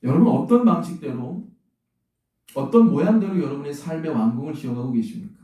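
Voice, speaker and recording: A man's voice: a little high, animated, fairly quick, mellow. Man preaching in an echoey church. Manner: earnest storytelling, quoting God in a scolding voice. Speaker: pastor. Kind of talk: sermon. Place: church sanctuary. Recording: echoey church hall, mic at a distance.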